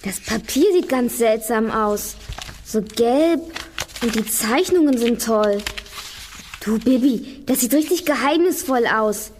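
High-pitched, curious young girl. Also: lively intonation, takes it slowly, darkish tone, slight background noise. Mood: fascinated. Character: curious young girl, fascinated friend, audio drama. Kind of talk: children's radio play acting.

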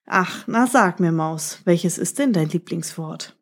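A woman's voice: lowish voice, animated, unhurried. A woman voicing a big, sly male fox who teases with mocking questions in a storybook. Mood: teasing.

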